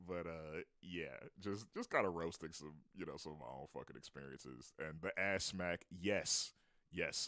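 A man's very deep, low voice with vocal fry, an angry tone and a bright, sharp edge, at a moderate pace with ordinary pitch variation. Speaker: animator and video creator. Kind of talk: casual commentary. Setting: solo home recording. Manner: rambling, profane, casual; angry, indignant rant, heated and cursing.

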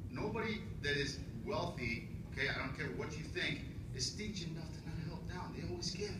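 A man talking at a fairly quick pace, with loud background noise and audible room echo. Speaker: commencement speaker, former biochemist and radio DJ. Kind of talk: graduation speech. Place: hall.

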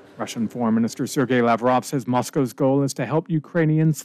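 A man at a medium pitch, talking at a very fast pace with ordinary pitch variation, in a dry, close sound with no echo and noticeable background noise. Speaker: newsreader. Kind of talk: news reading.

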